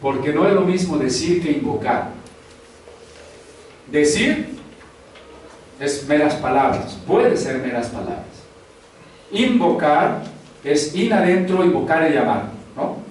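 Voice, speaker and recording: A man's voice: fairly high pitch, lively intonation, takes it slowly, long pauses, slight background noise. Man preaching in an echoey hall. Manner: conversational preaching with rhetorical questions. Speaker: pastor. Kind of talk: sermon. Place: church hall. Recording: echoey hall, far from the mic.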